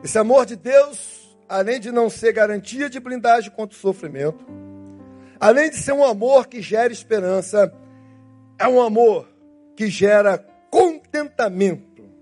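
A middle-aged male pastor with a Brazilian Portuguese accent, preaching a sermon and telling stories with lively acted-out voices. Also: sits high, unhurried, faint music behind. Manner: lively storytelling preacher who acts out biblical characters.

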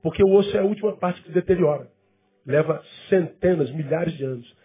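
A man's voice: fairly high pitch, fairly quick, breathy edge, narrow, tinny audio. A male pastor giving a conversational sermon full of rhetorical questions.

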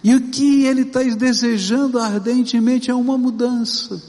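A middle-aged man with a Brazilian Portuguese accent preaches a sermon in a high voice. He leans into key words and stretches them out slowly for emphasis. His voice carries a long reverb from a large church sanctuary. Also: steady tone, a little mellow. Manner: emphatic preaching with slow, drawn-out stresses. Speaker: pastor.

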